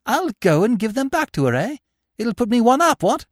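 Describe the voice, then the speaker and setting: A performer voicing a breezy, dim young gentleman with an upper-class English accent and excitable manner in an audiobook story. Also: medium pitch, a little fast, no echo, clean studio sound, voice pushed up. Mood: gleeful excitement. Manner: excitable, breezy, blithely foolish exclamations.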